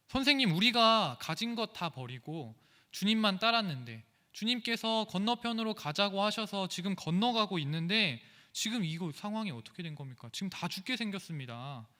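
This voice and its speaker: A man's voice: sits high, animated, moderate pace, sharp tone, voice pushed up. A man preaching plays frightened male disciples protesting in a storm, in an echoey church hall. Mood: indignant. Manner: indignant protesting.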